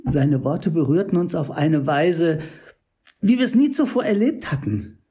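A man's voice: medium pitch, mellow. A man playing a stubborn believer in a German audio drama, testifying intensely as he searches for words. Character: stubbornly believing man, defiant witness recalling youth. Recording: music under the voice.

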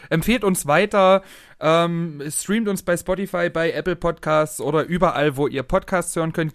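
Wry, quick-witted male podcast co-host. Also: on the high side, no echo. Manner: wry, quick dry quips. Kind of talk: casual chat.

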